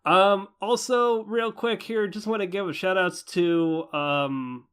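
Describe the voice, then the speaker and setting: A man's voice: high voice, steady tone, slow pace, fairly bright tone, smooth. A young man co-hosting a casual anime review podcast, talking in a rambling way with many fillers. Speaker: podcast co-host.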